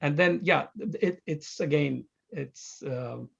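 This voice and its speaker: Husky, creaky Iranian-accented man, thoughtful. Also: on the high side, lo-fi sound. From Iran. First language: Farsi. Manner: halting, thoughtful, searching for words. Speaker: author being interviewed. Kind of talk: reflective conversational answers.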